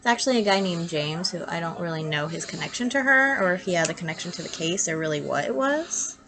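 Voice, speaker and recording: Bright-voiced congested woman telling true crime. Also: lowish voice, animated, fast talker. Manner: chatty, opinionated, blunt. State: sick with congested nasal voice, hurts to talk. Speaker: true crime video host. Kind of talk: casual storytelling to camera.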